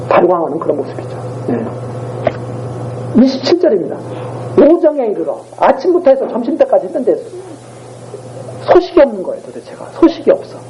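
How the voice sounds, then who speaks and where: Man, pastor, sermon, reads scripture then retells it plainly, animated delivery, muffled church recording. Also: sits high, a little hiss or hum. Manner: reads scripture aloud, then retells it in blunt everyday speech.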